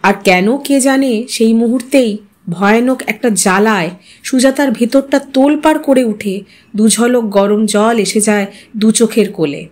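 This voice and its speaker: High-voiced woman storyteller. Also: a little slow, darkish tone. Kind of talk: expressive narration of a literary story.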